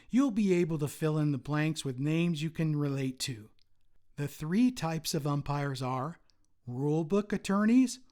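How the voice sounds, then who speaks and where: Formal man with a raised pitch. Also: a little mellow. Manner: measured, formal, read-aloud delivery. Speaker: retired umpire giving a convention talk. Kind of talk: formal prepared presentation.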